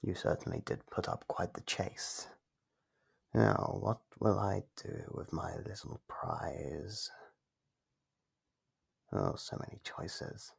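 An actor voicing an ancient, gleefully predatory monster in an ASMR horror roleplay, husky and breathy, teasing with slow menace. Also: male voice, low voice, full character voice. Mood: gloating menace. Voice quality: husky, gravelly, breathy with whispers. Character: gleeful predatory monster from under the bed, centuries old.

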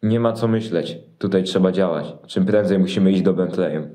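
Man playing an earnest, eager shepherd, lowish voice. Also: a little fast, mellow, lightly acted. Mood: urgent. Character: eager, determined shepherd urging action. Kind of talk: Christmas nativity audio play acting.

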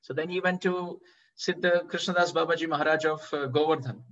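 Male preacher, somewhat high voice, storytelling sermon, dull distant recording. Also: fairly even intonation, brisk, a bit bright. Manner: earnest storytelling with acted quotes and frequent fillers. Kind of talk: devotional storytelling lecture. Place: temple hall.

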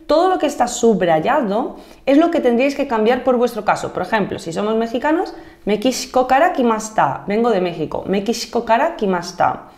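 A woman of thirty from Madrid with a Castilian Spanish accent, teaching a Japanese lesson on video. She explains each point clearly, slowing down to model phrases and checking in with "¿vale?". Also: a little high, a little mellow. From Spain (Madrid).

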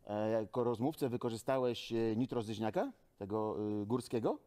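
A man's voice: medium pitch, moderate pace, a crowd in the background. A man arguing insistently in a studio talk show debate, pressing and repeating his accusations.

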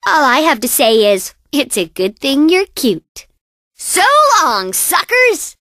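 Coco Bandicoot, very high, sassy cartoon girl. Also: sing-song, slow pace, fairly bright tone, no echo, clean studio sound, full character voice. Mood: smug, taunting. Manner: sassy, boastful, cartoonishly exaggerated delivery. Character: perky, cocky young female bandicoot racer. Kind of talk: video game character voice lines.

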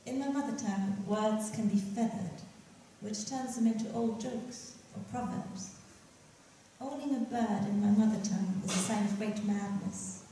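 A young woman poet giving a reading at a lectern on a dark stage, chatty and giggly between her poems and measured as she reads them. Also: mid-range voice, a little hiss or hum. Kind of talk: poetry reading. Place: dark stage at a festival event. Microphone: stand mic at a lectern. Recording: roomy hall, mic from a distance.

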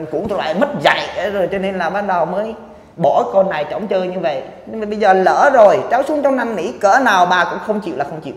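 Fast-talking young man, echoey room. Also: high voice, a little hiss or hum. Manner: earnest, indignant, talks at length. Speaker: charity vlogger interviewing a neighbor. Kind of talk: casual on-location interview.

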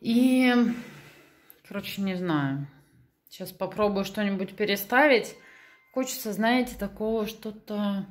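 A young woman vlogging casually on a handheld phone, chatty and expressive, with exclamations. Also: mid-range voice. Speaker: family vlogger, mother. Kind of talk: casual vlog chat to viewers.

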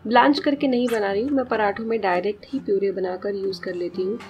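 A woman in her thirties talks through a home cooking video, explaining each step in a chatty, easygoing way. Her voice sits at a middle pitch, and soft instrumental music plays faintly underneath. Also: steady tone, fast talker. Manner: chatty, explains steps as she works. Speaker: cooking vlogger. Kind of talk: casual cooking voice-over. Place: home kitchen.

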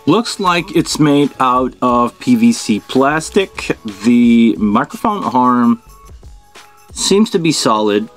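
Man, middle-aged, casual product reviewer, informal, thinking aloud, medium pitch, background music. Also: expressive, takes it slowly. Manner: informal, thinking aloud while handling gear. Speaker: video host, product reviewer. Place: small indoor studio at a table.

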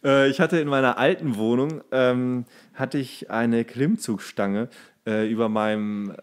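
A man's voice: medium pitch, clear, resonant tone. Male podcast host, mid-range voice, loose anecdotal delivery that stops and rephrases as he goes. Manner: halting, self-correcting storytelling. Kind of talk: casual chat, rambling anecdote.

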